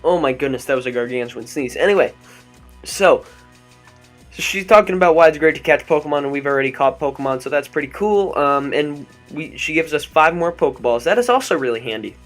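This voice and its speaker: A man's voice: on the high side, expressive, brisk. A young man hosting a let's play, chatting and joking over the game with lots of ums, into a desk microphone. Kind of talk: gameplay commentary. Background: faint background music.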